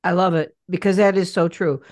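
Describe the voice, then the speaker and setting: A woman hosting a podcast, speaking in an animated, halting way with many restarts and stammers. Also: on the low side, dry recording, clean studio sound. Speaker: podcast host. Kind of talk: casual conversation.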